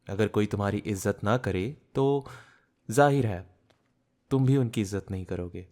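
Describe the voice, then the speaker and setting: A man's voice: fairly low pitch, moderate pace, a little mellow, close to an everyday voice. A man playing a disgruntled working man, venting wryly and conversationally in an audio romance drama. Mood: fed up. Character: disgruntled working man fed up with his boss.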